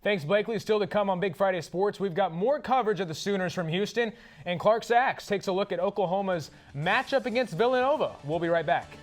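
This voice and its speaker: Young male student sports anchor, fairly high voice, reads copy straight-faced. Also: a little fast. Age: young adult. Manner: mock-serious delivery of a prank report.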